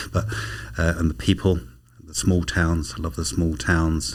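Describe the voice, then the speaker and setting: Very deep, low male voice with an English accent, moderate pace, and noticeable background noise. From England. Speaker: podcast guest, former teacher. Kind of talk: casual interview chat. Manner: halting, repeats words often.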